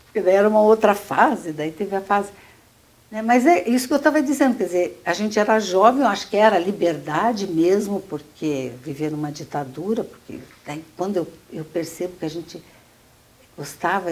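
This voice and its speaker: Her pitch swings very widely and her loudness rises and falls sharply as this woman speaks at a moderate pace. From Curitiba, southern Brazil. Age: 60s. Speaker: psychologist and professor, former activist. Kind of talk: oral history testimony interview. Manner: halting, many fillers.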